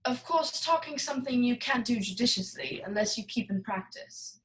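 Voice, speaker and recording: Radio play villain, female actor: genial, long-winded criminal mastermind, orotund and theatrical, a little high in pitch. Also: lively intonation, normal speed, close to an everyday voice, rough recording. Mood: jovial, expansive. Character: jovial, wordy, scheming fat male crime boss. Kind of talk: film noir radio play acting.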